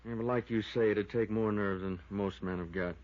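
A dull vintage radio recording of an actor playing a small-town American lawman. He is easygoing and sensible, speaking in a lowish, folksy voice in 1950s radio drama style. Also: fairly even intonation, normal speed, darkish tone, lightly acted. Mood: calm, practical.

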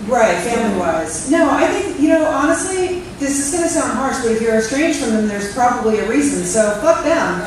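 A woman's voice: on the high side, big pitch swings, normal speed, hardly any pauses, a little hiss or hum. A woman cartoonist on a stage panel, speaking bluntly with dry humor into a handheld mic. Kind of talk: live panel discussion. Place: stage in a large auditorium. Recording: echoey hall, distant mic.

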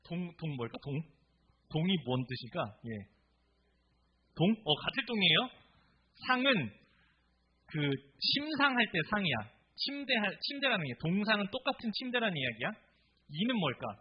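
A man's voice: high voice, big pitch swings, moderate pace, long pauses, slightly rough. A male pastor giving a casual, interactive sermon in a church room, speaking informally and quizzing his listeners with repeated questions. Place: church room with a group of forty or fifty. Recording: dull lo-fi recording.

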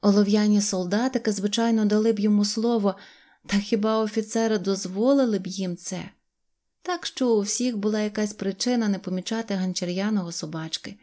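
Mellow woman reading a fairy tale. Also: mid-range voice, brisk. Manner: lively, expressive storytelling. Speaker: storyteller. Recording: faint music under reading.

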